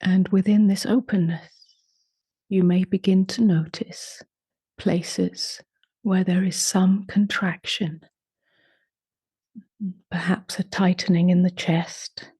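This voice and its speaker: A woman leading a guided meditation in a soft, unhurried voice that often drops to a half-whisper. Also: fairly low pitch, little pitch movement, slightly rough, no room sound. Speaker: meditation teacher.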